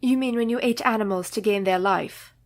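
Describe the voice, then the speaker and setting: An actress playing an earnest young married woman who questions a madman gently and steadily. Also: mid-range voice, fairly quick, lightly acted.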